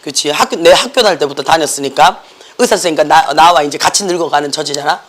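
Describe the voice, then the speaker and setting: A middle-aged academy teacher with a Gyeongsang accent lectures a class in a worn, hoarse voice. The delivery is lively and joking, and English words keep slipping into the Korean. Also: medium pitch, quick pace.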